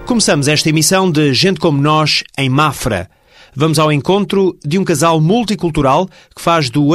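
A male radio host reading a scripted narration in a measured announcer style. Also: fairly high pitch, fairly bright tone, dry recording, studio quality. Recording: radio show with music bed. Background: music.

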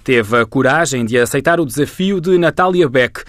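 A man with a European Portuguese accent reading a news report voice-over in a measured, even manner. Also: medium pitch, no echo. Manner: measured, even storytelling delivery.

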